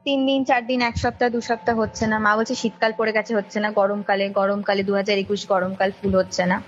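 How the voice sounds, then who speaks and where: A woman's voice: mid-range voice, level tone, fairly quick. A young woman telling a personal story casually over a phone call, repeating phrases for emphasis. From India. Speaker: caller recounting a ghost story. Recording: dull lo-fi call recording, music behind. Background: background music.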